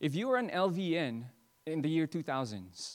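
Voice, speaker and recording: A man with a non-native accent speaks at a high pitch and a moderate pace, with lively intonation. The recording is very clean, with a silent background. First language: not English. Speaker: guest preacher and singer. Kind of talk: sermon. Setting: church. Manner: hesitant, many fillers.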